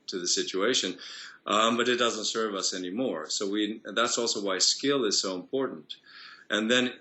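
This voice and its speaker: A male vocal coach talks earnestly in a long, flowing interview answer. His voice sits on the low side but rings bright and forward. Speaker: voice and singing coach.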